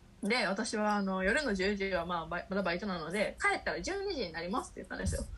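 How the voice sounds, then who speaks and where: Over noticeable background noise, a woman talks at a very fast pace in a medium pitch with ordinary pitch variation. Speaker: podcast host, university student. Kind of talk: casual chat. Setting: video call.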